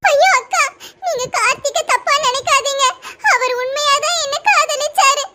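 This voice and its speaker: A woman's voice: very high voice, normal speed, noisy background. A woman doing a timid pregnant teen girl. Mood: pleading. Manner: tearful, begging. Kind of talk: cartoon voice acting.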